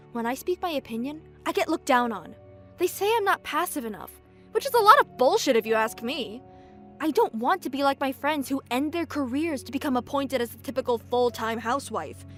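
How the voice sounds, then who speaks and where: Woman acting a feisty, high-voiced young woman. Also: fairly bright tone. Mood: defiant. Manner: feisty, emphatic, forthright. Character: outspoken, fiery, stubborn young woman working as cashier. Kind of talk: fan audio drama acting.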